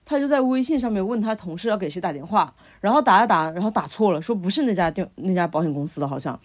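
A woman's voice: medium pitch, lively intonation, quick pace. A woman co-hosting a podcast, telling a story in casual chat, stringing clauses together with lots of fillers. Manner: rambling, chains clauses with fillers. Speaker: podcast co-host.

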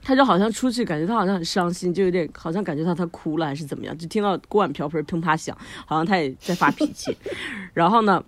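A woman co-hosting a podcast, telling a long personal story in a lively way, laughing often and using lots of fillers. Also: on the low side, quick pace. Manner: animated, frequent laughter, many fillers. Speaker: podcast co-host. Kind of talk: casual storytelling chat.

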